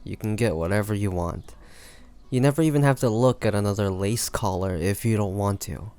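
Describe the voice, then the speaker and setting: A man playing a roguish, protective pirate captain in a scripted audio roleplay, talking teasingly and intimately to the listener in a gravelly voice. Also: lowish voice, normal speed, dark tone, close to an everyday voice. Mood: teasing, indulgent. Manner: teasing, smooth-talking, intimate pet names. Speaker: voice actor.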